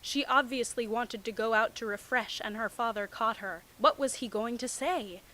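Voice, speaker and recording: A woman's voice: fairly high pitch, normal speed, pushed and bright, poor audio. A woman reading fan fiction aloud and breaking in with sarcastic, exasperated commentary. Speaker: online comedy commentator. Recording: amateur home recording with background static.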